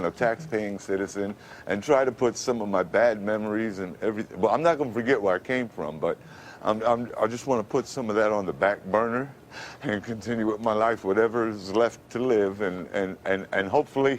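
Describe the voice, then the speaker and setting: An ordinary speaking voice from a man, fairly low in pitch, at a fairly quick pace with ordinary pitch variation. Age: 50s. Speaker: radio announcer. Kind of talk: TV interview answer.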